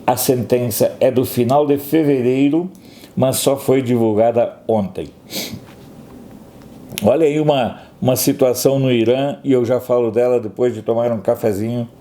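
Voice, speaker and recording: A man with a Brazilian accent runs through the day's headlines like a commentator, breaking off for sarcastic remarks of his own. His voice is mellow and dark. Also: mid-range voice, steady tone, normal speed, slight background noise. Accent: Brazilian Portuguese. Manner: sarcastic asides between headlines. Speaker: news commentator. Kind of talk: opinionated headline review.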